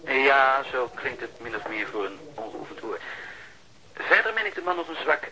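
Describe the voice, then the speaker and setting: An actor playing a chatty, pedantic sound technician in a radio drama, hesitantly explaining things step by step over the telephone. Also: male voice, medium pitch, expressive, normal speed, pushed and bright, rough recording. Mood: fussy, matter-of-fact.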